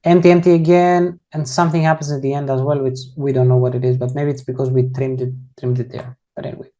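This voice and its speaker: A soft, mellow-toned instructor leads an online coding tutorial over a computer microphone. The delivery is casual and explanatory, walking through each step while often restarting and correcting sentences. The pitch sits in an ordinary middle range. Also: level tone, fast talker. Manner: frequently rephrases and corrects itself mid-sentence.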